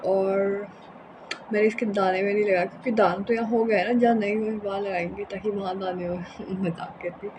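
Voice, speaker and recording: A young woman with a hoarse, sore throat chats casually and unscripted in a rambling home vlog, mixing in English words. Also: mid-range voice, steady tone, fairly quick, noisy background. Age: young adult. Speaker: vlogger. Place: indoors in a room at home.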